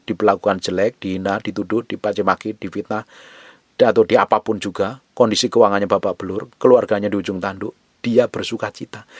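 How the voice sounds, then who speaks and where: A man's voice: fairly low pitch, dry recording. Emphatic male preacher, dry sound. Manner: emphatic preaching, swings from quiet to loud. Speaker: pastor. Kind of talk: sermon.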